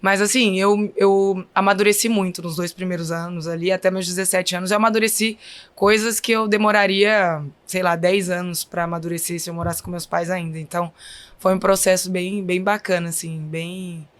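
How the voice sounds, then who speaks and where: A Brazilian volleyball player in her thirties, with a Minas Gerais accent, tells stories as a podcast interview guest in a chatty, casual way, often saying "então, assim". Her voice is on the low side with a steady tone and normal speed.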